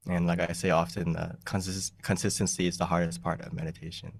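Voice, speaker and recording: A young man with a low voice teaches meditation in an easygoing way, laughing now and then and clearing his throat. He talks into a desk mic in a small room. The sound is dry and a little distant. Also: little pitch movement, fast, no room sound. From United States. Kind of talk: relaxed teaching talk over a video call. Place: small plain room indoors. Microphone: large desk mic in front of him.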